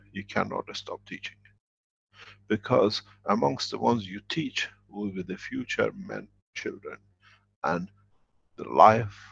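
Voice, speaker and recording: A man's voice: on the low side, creaky, fairly bright tone, breathy edge, no room sound. A man giving a workshop lecture, speaking emphatically and repeating his key phrases. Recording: dull lo-fi recording.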